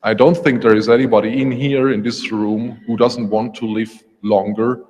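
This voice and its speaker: A man with a Swiss German accent giving a prepared talk on a panel, in a measured, deliberate way. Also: medium pitch, level tone, a little mellow. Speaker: panel speaker. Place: public lecture hall. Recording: reverberant lecture hall.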